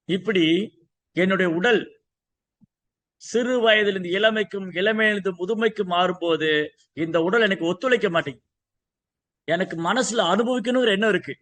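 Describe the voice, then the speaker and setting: A man's voice: sits high, a bit bright. A man speaking, giving a devotional scripture talk full of rhetorical questions and repeated lists. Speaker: Gita teacher. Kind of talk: devotional discourse.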